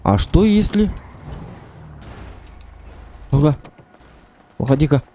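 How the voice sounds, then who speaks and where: A man's voice: on the high side, big pitch swings, slow, mellow, slight background noise. A man with as his language, chatting casually and playfully as he streams an online role-play game, asking questions and repeating himself. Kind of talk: casual improvised in-game chat.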